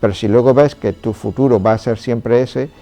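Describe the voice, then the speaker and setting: A man from Córdoba, Spain, a priest giving a measured, explanatory testimony in an interview. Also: medium pitch, steady tone, mellow, faint music behind. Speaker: Trinitarian priest and charity president.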